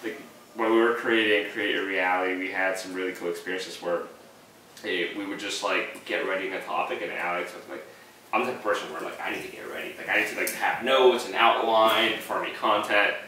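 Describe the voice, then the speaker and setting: Man, native Spanish speaker, low pitch, bright tone, earnest podcast guest, roomy echo, distant mic. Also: steady tone, brisk, slight background noise. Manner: earnest, motivational, many fillers. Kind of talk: casual podcast chat. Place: living room with couch. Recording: echoey room, mic far off.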